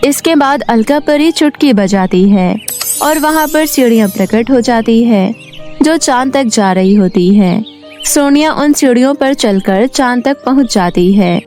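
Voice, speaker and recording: Female storyteller: fairly high voice, scripted children's tale narration, music underneath. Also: lively intonation, a little slow, a little mellow. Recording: music behind the voice.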